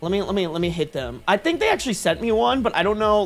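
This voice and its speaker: This man talks loudly at a very fast pace. His high pitch carries lively intonation. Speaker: streamer. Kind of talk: casual chat. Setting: live stream.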